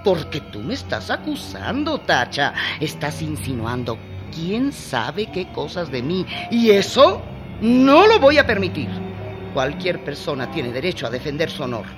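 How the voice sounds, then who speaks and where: A haughty housewife. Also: female voice, low voice, sing-song, a little slow, music in the background. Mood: threatening. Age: middle-aged. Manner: evasive, condescending, turns threatening. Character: vain, insecure middle-aged housewife, haughty. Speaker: mistress of the house. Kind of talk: radio drama acting.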